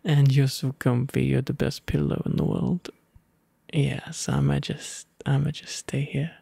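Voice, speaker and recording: A man with a British RP accent reading a storybook aloud and chatting as an ASMR boyfriend, drowsy, soft and playful, slipping into gentle whispers. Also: medium pitch, steady tone, unhurried, gravelly, breathy edge, dry recording. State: sleepy and overfull.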